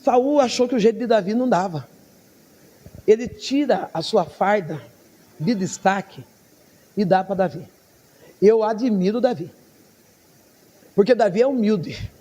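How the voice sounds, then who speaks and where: A woman pastor preaching a sermon, telling her story with lively, acted-out dialogue and frequent laughs. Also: medium pitch, a little slow, pauses often, slightly rough, in a large hall. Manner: laughs often between phrases.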